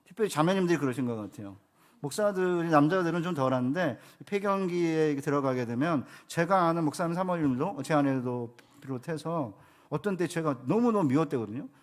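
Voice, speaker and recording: This man has a plain, everyday voice. He speaks with lively intonation. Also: fairly high pitch for a man. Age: 60s. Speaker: professor and guest preacher. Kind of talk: sermon. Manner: conversational, humorous.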